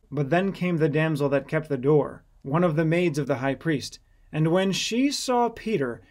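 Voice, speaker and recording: A man reading scripture as an audiobook narrator, in a solemn, dramatic storytelling manner. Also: a little high.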